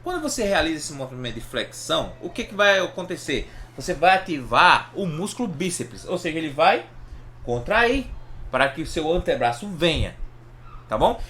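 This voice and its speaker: A man's voice: fairly high pitch, very animated, moderate pace, pushed and bright, a little hiss or hum. A Brazilian man giving an informal lesson in Portuguese with a Brazilian accent, explaining didactically, asking and answering his own questions and often checking that listeners follow. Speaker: health educator, online presenter. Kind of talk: informal anatomy lesson to camera.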